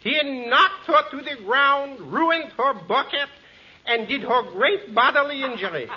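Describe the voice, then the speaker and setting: An actor playing a boastful, bumbling comic lawyer with a pompous manner, in 1940s radio comedy style. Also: male voice, extremely high pitch, expressive, measured pace. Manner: mangles names, pompous. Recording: noisy, dull old radio recording.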